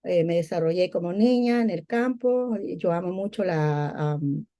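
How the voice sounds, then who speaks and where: Mellow, lowish-voiced Peruvian woman, halting delivery. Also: expressive. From Peru. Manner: halting, searching for words with repeats. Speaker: guest giving testimony. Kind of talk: personal religious testimony, conversational.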